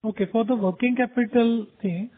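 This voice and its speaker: A man with an Indian accent and a distinctly high voice answers investor questions as a company executive. His manner is explanatory, and the sound is that of a narrow, tinny conference phone line. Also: fairly even intonation, moderate pace. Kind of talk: earnings call answers.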